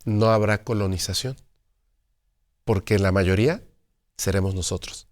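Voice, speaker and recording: Man voicing a calm alien couple in stolen human bodies. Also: low-pitched, unhurried, pitched below the performer's own voice.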